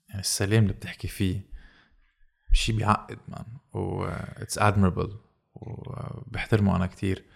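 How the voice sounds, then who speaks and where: Lebanese male host, low gravelly voice, relaxed questions with English words mixed in. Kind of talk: casual interview.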